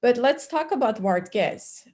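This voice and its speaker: Slow-paced woman interviewer, measured. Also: a little high, animated, darkish tone. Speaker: interviewer, academic discussant. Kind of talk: moderated literary conversation.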